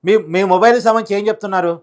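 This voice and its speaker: A man hosting a live phone interview, putting rapid questions to his guests. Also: high voice, steady tone, clean tone. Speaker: news host interviewing by phone.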